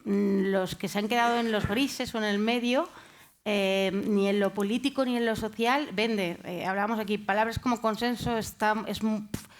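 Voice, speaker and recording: A woman journalist speaking on a discussion panel, pausing often with fillers. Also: mid-range voice, steady tone. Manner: hesitant, many fillers.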